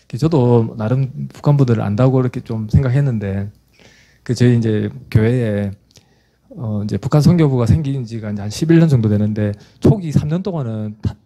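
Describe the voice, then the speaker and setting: A middle-aged man, a pastor preaching and telling a story in an animated way, with frequent restarts. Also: mid-range voice, fairly quick. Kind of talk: sermon with storytelling.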